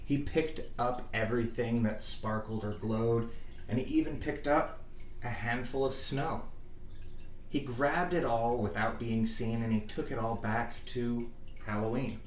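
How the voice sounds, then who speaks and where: A man giving a dramatic reading of a rhyming storybook, with measured, theatrical phrasing and pauses. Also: medium pitch, steady tone. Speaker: storybook reader. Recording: echoey room, faint background noise.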